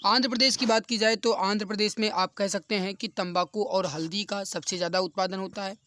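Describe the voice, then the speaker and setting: High, bright-voiced man teaching. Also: steady tone, a little fast, slight background noise. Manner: repeats key answers and points for emphasis. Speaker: exam coaching teacher. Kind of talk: explanatory quiz lesson for exam students.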